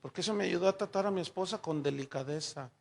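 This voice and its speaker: An older man with a Mexican accent preaching a sermon, telling personal stories and acting out the dialogue with lively shifts of voice. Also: high-pitched, quick pace, gravelly. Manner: animated storytelling, acting out dialogue in raised voices. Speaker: pastor.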